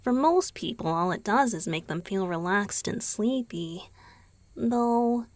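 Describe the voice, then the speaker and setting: A woman voicing a gentle, teasing male vampire boyfriend in an intimate ASMR roleplay, speaking softly and patiently, often dropping toward a whisper, close to the microphone. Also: mid-range voice, expressive, slow, no room sound. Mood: patient explaining. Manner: soft, often whispered, patient explaining with small chuckles. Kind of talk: ASMR roleplay, intimate one-sided dialogue to the listener. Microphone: close, dry microphone.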